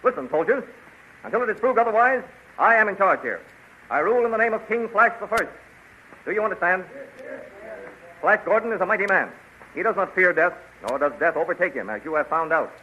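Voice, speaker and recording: An actor playing a bold, commanding male captain in a 1930s radio drama, issuing forceful orders. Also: high-pitched, lively intonation, fairly quick, long pauses. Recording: dull, hissy 1930s radio transcription.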